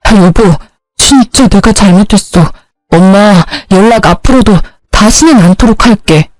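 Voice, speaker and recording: A woman's voice: medium pitch, a little slow, a little mellow, no room sound, lightly acted, poor audio. A woman voicing a husband who argues defensively with his wife. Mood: begging. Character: defensive, then remorseful husband.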